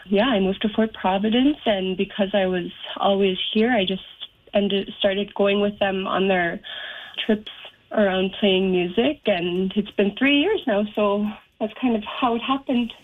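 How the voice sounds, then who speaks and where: A young woman, a singer and guitarist, answering interview questions casually, with many pauses and fillers. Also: mid-range voice. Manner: soft-spoken, hesitant, many ums and likes. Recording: tinny phone-like sound.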